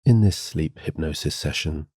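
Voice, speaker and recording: A man with an exceptionally deep, mellow voice leads a guided sleep meditation. His delivery is gentle and soothing, reading a hypnosis script with a calming, guiding manner. The sound is close and dry. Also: moderate pace, breathy edge, dry recording.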